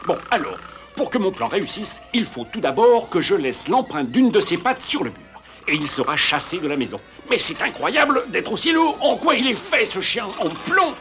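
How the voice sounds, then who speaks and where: A man's voice: high voice, very animated, moderate pace, a bit bright, faint music behind. A man playing a fussy, scheming ghost in a French-dubbed cartoon, grumbling theatrically to himself.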